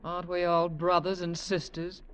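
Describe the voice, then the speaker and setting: An actress playing a cool, sardonic young femme fatale in a 1940s radio drama, languid and teasing. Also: female voice, on the low side, little pitch movement, normal speed, fairly bright tone, clean tone, natural voice. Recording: dull, dry old radio recording.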